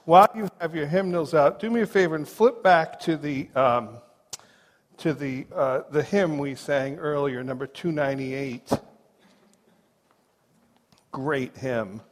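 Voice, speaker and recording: Pastor, man from New Hampshire, conversational and joking sermon, a bit high-voiced, long church reverb. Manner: conversational and joking, reads quotes slowly. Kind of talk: sermon with personal stories. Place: large church sanctuary. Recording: long reverb of a big hall.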